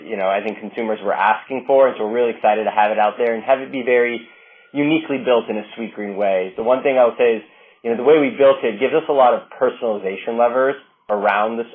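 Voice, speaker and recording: A man speaking as a company executive answering questions on an earnings call, often repeating and restarting his phrases. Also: lowish voice. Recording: narrow phone-line sound.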